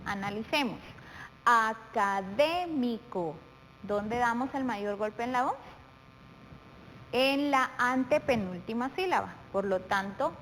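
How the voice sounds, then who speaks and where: A middle-aged woman teaching a televised primary-school lesson, patient and deliberate, drawing out words syllable by syllable. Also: a little high. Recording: faint reverb and light background noise.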